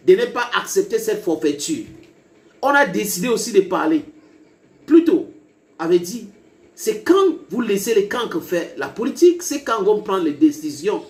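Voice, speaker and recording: Emphatic commentator, echoey room. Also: male voice, high voice, darkish tone. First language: English. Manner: emphatic, rising to heated bursts, addresses viewers directly. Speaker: online political commentator. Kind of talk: video commentary to viewers. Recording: roomy echo with faint ambience.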